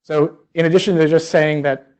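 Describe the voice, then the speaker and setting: A man's voice: a little high, fairly even intonation, normal speed, a little mellow. A man presenting research at an academic seminar in a conversational, explanatory way, often rewording his phrases as he thinks aloud. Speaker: research scientist giving a seminar talk.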